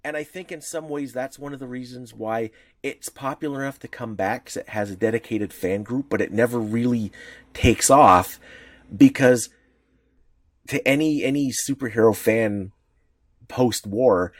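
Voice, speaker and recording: A man's voice: mid-range voice, normal speed, no echo. Man, podcast co-host, eager rambling explainer, medium voice, dead dry booth. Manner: rambling, enthusiastic, many restarts. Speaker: co-host explaining comics history. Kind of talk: casual podcast chat.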